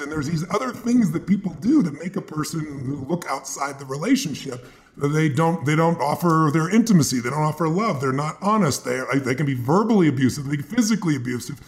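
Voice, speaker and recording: Earnest male host, slightly high voice. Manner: earnest, asks probing questions, coaching tone. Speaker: podcast host. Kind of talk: interview conversation.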